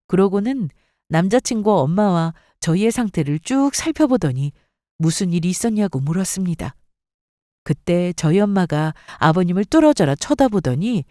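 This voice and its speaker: A woman narrating a first-person drama story in an expressive, scripted style. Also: on the low side, dry recording, clean studio sound.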